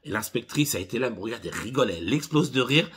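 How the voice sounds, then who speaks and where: He races through his words at medium pitch, a little hiss or hum in the audio. A driving instructor in his thirties, he animatedly tells funny anecdotes to camera, casually greeting viewers as "les gars."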